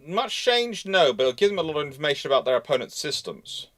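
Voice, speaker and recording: A man's voice: a little high, very animated, fast talker, a bit bright. A man hosting a live history question and answer discussion, explaining in an emphatic, repetitive, digressive way. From Britain. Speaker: naval history show host.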